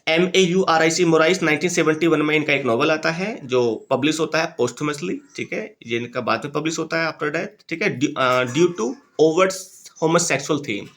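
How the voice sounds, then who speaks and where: Gravelly Hindi-speaking literature tutor. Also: male voice, fairly high pitch, fairly bright tone. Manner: explains in Hindi, reads English titles slowly, repeats points; chatty and informal, keeps addressing listeners as "bhai" and "yaar". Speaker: exam-prep literature teacher. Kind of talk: casual lecture over slides.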